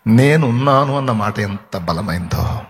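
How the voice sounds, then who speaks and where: A man's voice: on the low side, expressive, a little slow. A male pastor preaching a sermon with emphasis, repeating phrases and acting out tender comforting words. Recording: reverberant hall sound.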